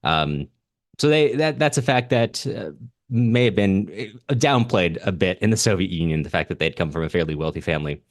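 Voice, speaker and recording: A man's voice: deep voice, animated, fairly quick, no room sound, studio quality. A man hosting a podcast, explaining background to literature in an unscripted, self-correcting way. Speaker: podcast host.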